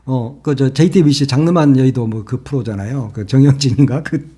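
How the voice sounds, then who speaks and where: A man's voice: medium pitch, brisk, warm tone, husky. A man hosting his own political commentary channel, talking casually in a mocking, sarcastic way and laughing at his own jokes.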